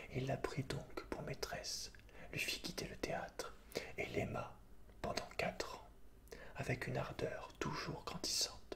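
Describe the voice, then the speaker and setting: Over noticeable background noise, a man whispers in a gentle tone at a very slow pace, with long, frequent pauses. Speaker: ASMR creator. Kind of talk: ASMR literary reading (soft voice). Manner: soft-spoken, gentle.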